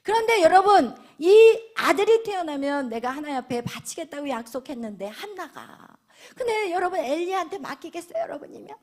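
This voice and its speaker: High-voiced woman pastor preaching animatedly. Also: fairly quick, few pauses. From South Korea. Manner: animated preaching, swings from loud to whispered lines; acts out quoted voices, asks the congregation questions. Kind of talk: sermon.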